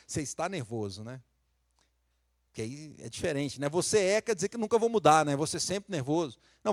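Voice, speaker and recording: A man's voice: medium pitch, no echo, clean studio sound. A middle-aged man with a Minas Gerais Brazilian accent preaching a sermon in a conversational way, rising to emphatic peaks. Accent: Brazilian Portuguese, Minas Gerais. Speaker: pastor.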